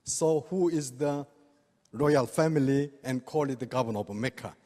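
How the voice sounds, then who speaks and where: An older man with a Korean accent, speaking halting non-native English to an audience and chuckling often. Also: mid-range voice, mellow. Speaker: speaker, oriental medical doctor. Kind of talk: presentation to a live audience. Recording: reverberant hall.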